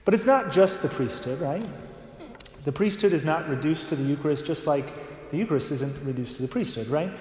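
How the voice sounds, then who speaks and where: A man's voice: on the high side, lively intonation, a little fast, darkish tone. A man serving as a priest at Mass reads the Gospel and then preaches a homily, with a casual way of talking that he keeps dotting with "right?". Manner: talks in a casual way with frequent "right?" tags. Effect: cathedral echo. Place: large church. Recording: long echoing church reverb.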